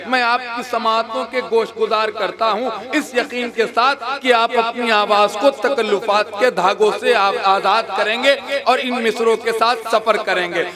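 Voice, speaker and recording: A man with a high voice recites devotional poetry slowly, leaning on each line. He keeps pressing the audience to answer aloud. A large, loud crowd fills the background. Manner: rousing, urges the audience to respond aloud; sing-song poetic recitation. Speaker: religious event host reciting poetry. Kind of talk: declaiming verse to a crowd.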